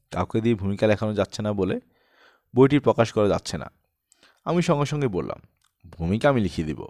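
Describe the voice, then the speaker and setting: A man narrates a literary audiobook. His voice sits at an average male pitch. The recording is dry, with very little room sound, and he reads from a script in a storytelling style. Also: darkish tone, no room sound. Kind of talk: scripted literary narration, reading a humorous personal essay.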